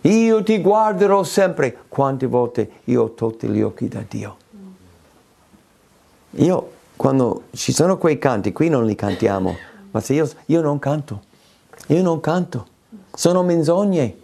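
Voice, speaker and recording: A man preaching an expository sermon, lifting his voice high when he quotes scripture and prayers. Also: animated, takes it slowly, vocal fry, long pauses, dark tone. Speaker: pastor.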